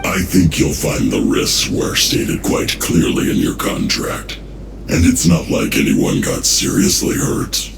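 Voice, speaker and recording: A man voices a smug, menacing villain agent in a video game, condescending and dripping with mock sympathy. His very deep, gravelly voice is exaggerated and highly animated, delivered unhurriedly. The recording has a roomy echo, music behind, and a noisy background.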